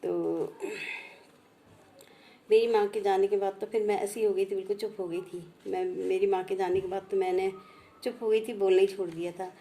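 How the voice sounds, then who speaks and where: Soft-voiced woman, heartfelt reminiscing. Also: medium pitch, steady tone. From India. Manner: slow, heartfelt, repeats each phrase twice. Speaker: vlogger sharing memories. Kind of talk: personal reminiscence.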